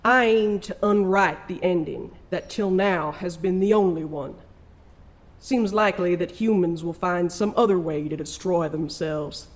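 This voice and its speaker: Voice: medium pitch, measured pace, lightly acted. An actor of unclear sex playing an ancient, world-weary trickster spirit with a folksy, theatrical drawl in an audio drama. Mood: resolute. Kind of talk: scripted audio drama acting.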